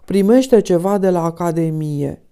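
An earnest young noblewoman who speaks with eager animation, as a woman narrator gives her voice. The tone stays low and mellow. A quiet storybook reading. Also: clear, resonant tone, natural voice.

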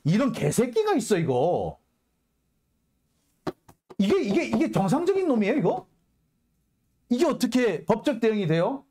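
A man's voice: very high-pitched, a little mellow. A man hosting a political commentary show, delivering an angry, sarcastic monologue full of curses and sighs. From South Korea. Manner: heated, cursing, sarcastic, sighing.

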